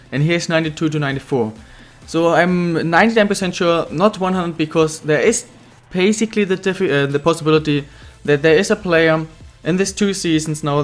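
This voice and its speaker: A young man with a slightly higher voice runs through his squad plans in loose, rambling gaming commentary. His voice is a bit weak from being ill, and he stumbles, restarts and fills gaps with "um". Faint music plays underneath. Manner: rambling, many restarts and fillers, non-native phrasing. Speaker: gaming YouTuber. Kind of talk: casual career-mode commentary.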